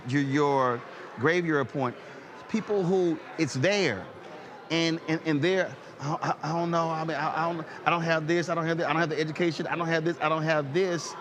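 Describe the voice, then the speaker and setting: A man in his fifties hosting an interview, telling stories in an animated way and repeating "I said" as he acts out conversations. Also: fairly high pitch. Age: 50s. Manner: animated storyteller, repeats "I said" while acting out exchanges. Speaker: host. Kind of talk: casual interview chat.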